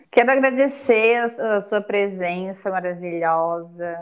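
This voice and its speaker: Against a quiet background, a woman with a normal speaking voice talks at a fairly slow pace and with lively intonation. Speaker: podcast co-host. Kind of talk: casual chat. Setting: video call.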